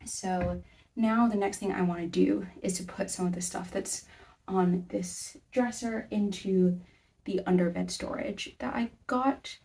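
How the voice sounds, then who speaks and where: Creaky young woman chatting in her bedroom. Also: medium pitch, fairly even intonation, unhurried, a little mellow, distant mic. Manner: rambling, self-correcting, talks while tidying. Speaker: vlogger. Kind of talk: casual chatty vlog narration.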